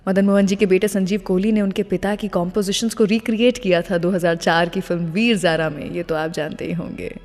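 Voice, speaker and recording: A woman's voice: mid-range voice, steady tone, a little fast, few pauses, darkish tone, in a large hall. A woman hosting a classic-music radio show, chatting and telling anecdotes between songs, slipping English phrases into Hindi. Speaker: radio host.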